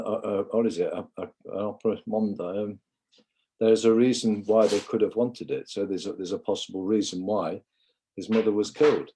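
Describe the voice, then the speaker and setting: A man's voice: on the low side, warm tone, a little hiss or hum. A man from England giving a rambling, impassioned livestream monologue, often calling viewers "guys".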